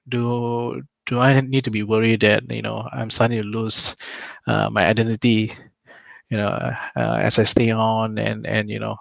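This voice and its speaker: A young man, thoughtfully sharing his experience in a casual discussion, often pausing on "uh". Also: on the low side, creaky, dry recording. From Malaysia. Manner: thoughtful, frequent "uh" hesitations. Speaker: panel guest. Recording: dull lo-fi dry sound.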